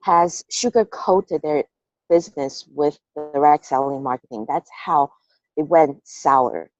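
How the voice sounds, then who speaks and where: A woman's voice: low-pitched, unhurried, a little mellow, no echo. A woman from Taiwan being interviewed on a team call, telling her story candidly with hesitant restarts and frequent "okay" fillers. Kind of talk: casual interview. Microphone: call recording. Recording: dull lo-fi call audio.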